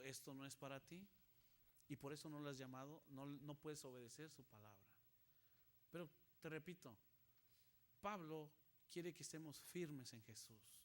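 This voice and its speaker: Emphatic man preaching a sermon. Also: on the high side. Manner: emphatic preaching with rhetorical questions; acts out quoted voices, swinging loud and soft. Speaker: pastor.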